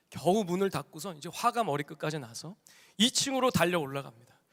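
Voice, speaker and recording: Brief: male pastor, animated storyteller, high voice, long church reverb. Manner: animated storytelling, addressing the congregation. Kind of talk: sermon. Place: church sanctuary.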